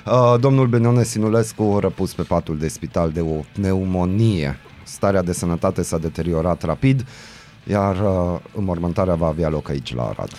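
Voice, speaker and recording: Loud deep-voiced radio morning host. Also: male voice, soft background music. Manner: loud, animated, jokey. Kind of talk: radio morning show banter. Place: radio studio.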